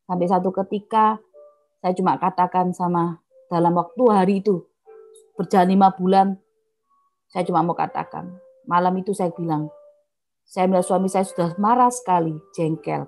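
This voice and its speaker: A woman's voice: fairly low pitch, steady tone, normal speed, gravelly, long pauses, a little mellow, soft background music. A middle-aged woman giving an earnest personal testimony at an online prayer meeting, speaking straight to her listeners as brethren.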